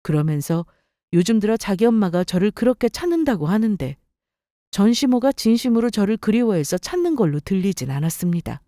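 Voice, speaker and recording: A woman narrating a dramatized personal story for story radio and voicing her own sharp-tongued replies. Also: medium pitch, animated, fairly quick, no echo, studio quality.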